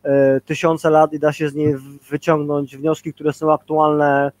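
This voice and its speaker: A man in his forties speaks over a video call in a loose, rambling way, leaning on fillers and tag questions. His voice sits a little high, and the sound is very dry. It has a casual conversational feel. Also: monotone, measured pace, no room sound. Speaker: guest, leadership trainer.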